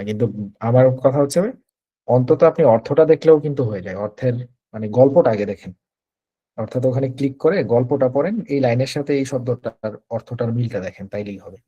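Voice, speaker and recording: Mellow husky male coach. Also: medium pitch, a little fast, muffled recording. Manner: patient, advising, repeats points. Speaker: English test coach. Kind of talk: online coaching Q&A. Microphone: video call.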